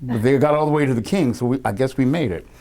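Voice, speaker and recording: A man being interviewed about his stage performing, chatty and quick to laugh. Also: mid-range voice, lively intonation, darkish tone. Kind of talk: casual interview chat.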